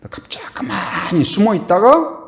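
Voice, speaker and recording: A man preaching a sermon as pastor, asking the congregation questions and answering them, swinging from loud to hushed and trailing off on repeated words. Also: high-pitched, big pitch swings, unhurried, gravelly, echoey room. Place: church sanctuary.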